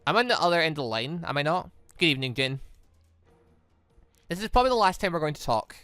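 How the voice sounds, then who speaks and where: A sly villainess from a visual novel read by a man, teasing and calmly menacing. The delivery is measured, in a bright, dry-sounding voice. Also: a little high, no echo, faint music behind. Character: sly, menacing woman villain taunting by phone.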